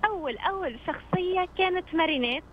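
A woman's voice: extremely high pitch, expressive, quick pace. A nineteen-year-old woman with a Tunisian accent speaks casually and hesitantly as a guest on a radio phone-in. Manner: hesitant, searching for words. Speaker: phone-in guest, amateur voice actor. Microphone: phone call. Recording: dull phone line with noise.

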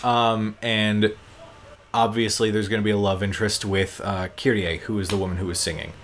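A man's voice: lowish voice, flat delivery, moderate pace, fairly bright tone. A man giving casual, explanatory commentary on a game, rambling like a fan. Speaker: gaming commentary host. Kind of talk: casual chat commentary over game cutscenes. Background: game cutscene music.

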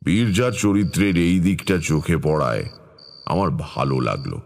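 A man playing a grave, caring tantric storyteller in a dramatized horror audio story, speaking in a measured, solemn way. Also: deep voice, animated, gravelly, slight background noise. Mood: grave, brooding. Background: background music.

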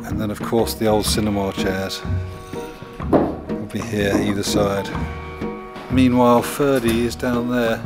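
Low-voiced man musing casually to camera. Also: little pitch movement, a little slow, loud music behind the voice. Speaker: vlogger building a recording studio in a barn. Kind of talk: casual handheld video diary. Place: large barn under construction, indoors. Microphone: handheld camera at arm's length.

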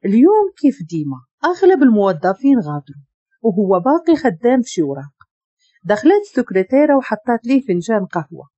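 A Moroccan woman narrates a dramatic story with an expressive, measured delivery. Her voice sits fairly high with lively pitch, husky and mellow in tone, in a dry, dull lo-fi recording. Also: dry recording.

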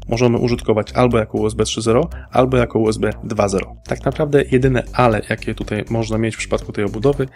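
A man reading a scripted product review voice-over in a precise, measured technical way, over soft music. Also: lowish voice, fairly even intonation. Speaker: hardware reviewer.

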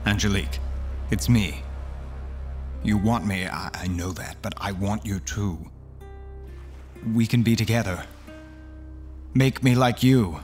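An actor playing a lovesick man pleading with a vampire woman, halting, earnest and imploring. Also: lowish voice, a little mellow, soft background music. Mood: tender pleading.

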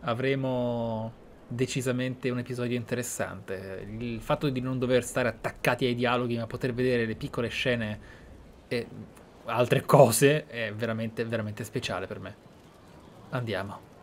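A man's voice: medium pitch, steady tone, normal speed, a little hiss or hum. Italian man commenting over game ambience. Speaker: gaming YouTuber.

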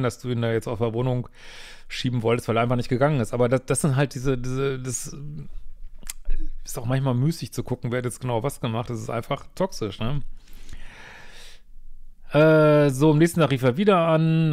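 Man, psychologist, casual commentary, exasperated, blunt, swearing, halting restarts. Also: medium pitch, darkish tone. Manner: halting restarts, tag questions. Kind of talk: casual commentary on a viewer's letter.

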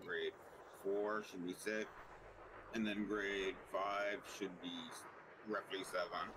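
A man on voice chat calmly walking a friend through game steps. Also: low voice, slow pace, noisy background. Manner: patient, step-by-step instructions. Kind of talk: explaining game mechanics.

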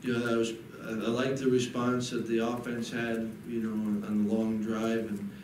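A middle-aged man, a head coach at a postgame press conference, talking haltingly with many restarts into a desk mic. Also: fairly low pitch, little pitch movement, darkish tone. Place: press room in front of a backdrop. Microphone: table mic on a desk. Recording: echoey room, mic a bit far, audible noise.

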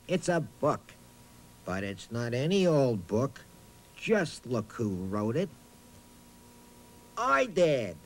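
A man voicing a friendly, absent-minded talking boot who hosts a children's reading show in a hesitant, chatty way. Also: fairly high pitch. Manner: hesitant, bumbling, chatty, hums nonsense syllables. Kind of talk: playful children's educational presenting.

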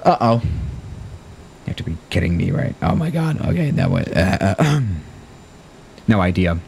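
A man's voice: deep voice, unhurried, gravelly, a little hiss or hum. A young man streaming a flight sim, chatting loosely and getting flustered when things break, on a desk mic in a small room. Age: young adult. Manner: chatty, excitable, flustered by emergencies. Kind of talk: live-stream commentary. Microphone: studio mic on desk.

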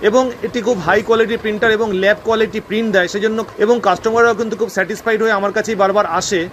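Young bengali guy, super quick talker, kinda high and flat, faint traffic noise behind. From West Bengal, India. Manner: brisk, instructive, addresses viewers as friends. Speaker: cyber cafe owner and channel host. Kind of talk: explanatory voice-over narration.

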